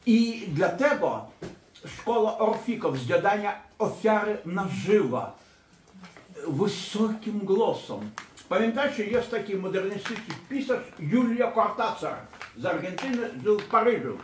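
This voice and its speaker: High-voiced man lecturing in an echoey room. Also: animated, unhurried, a little hiss or hum. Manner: emphatic, digressive lecturing. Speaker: therapist and court expert. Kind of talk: lecture-style talk.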